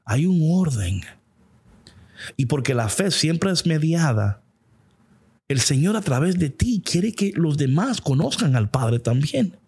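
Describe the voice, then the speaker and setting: Husky, mellow-voiced man preaching passionately. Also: fairly high pitch, very animated, measured pace. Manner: passionate, conversational, slips into English phrases. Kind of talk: devotional sermon.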